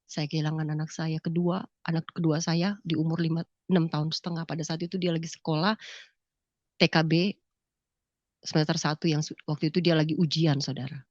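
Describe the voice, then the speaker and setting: A woman's voice: sits low, fairly even intonation, brisk, darkish tone, dry recording. A middle-aged woman giving an emotional church testimony, tearful and sniffling, often turning to her listeners as brothers and sisters. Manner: addresses listeners as "saudara", voice breaking with grief. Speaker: testimony speaker. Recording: dull lo-fi dry recording.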